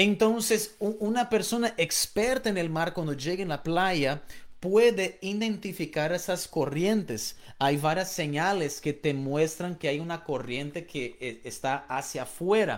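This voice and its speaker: With a Brazilian accent, a man speaks fairly slowly in a high voice with lively intonation. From southern Brazil, Florianópolis. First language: Portuguese (speaking Spanish). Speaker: pastor. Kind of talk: sermon.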